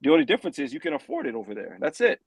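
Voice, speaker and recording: A man with a fairly high voice, opinionated and animated as he talks things over on a podcast. His delivery is emphatic, climbing into exclamations when he makes a point, and the sound is dry and close with no room echo. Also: very fast, gravelly, slightly rough. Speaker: podcast panelist. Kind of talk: casual opinionated chat.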